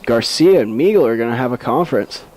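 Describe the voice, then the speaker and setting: A man's voice: medium pitch, animated, fast, a little mellow. A man calling live baseball play-by-play as a sports commentator. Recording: outdoor ballpark background noise.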